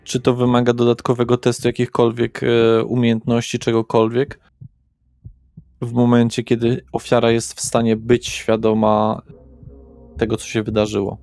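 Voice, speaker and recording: A man's voice: medium pitch, completely flat delivery, normal speed, a little mellow. A man running a tabletop horror role-playing session as game master, narrating scenes and talking through rules. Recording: background music under the voice. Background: music.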